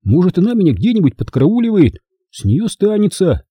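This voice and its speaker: A man voicing a frightened but determined young boy with a hoarse whisper. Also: sits high, very animated, moderate pace, dark tone, no echo, studio quality, pitched above the performer's own voice, heavily acted. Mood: worried.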